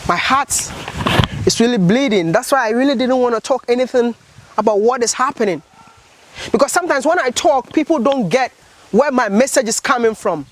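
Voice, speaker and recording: A man's voice: extremely high pitch, expressive, a little fast, low-quality recording. A man vlogging with earnest, impassioned commentary, asking repeated rhetorical questions.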